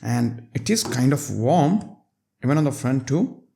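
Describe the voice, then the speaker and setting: A man, chatting casually over his gameplay as a tech reviewer. His mid-pitched voice has a gravelly creak, and he keeps up self-deprecating asides to the viewers. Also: sing-song, unhurried, mellow.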